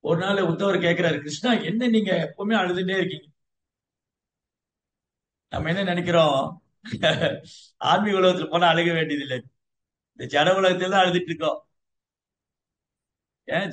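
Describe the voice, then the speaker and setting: A man delivers a devotional lecture in a storytelling manner, dropping English words in as he goes. His voice sits high for a man. The room around him is echoey. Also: a bit bright. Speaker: Vaishnava teacher.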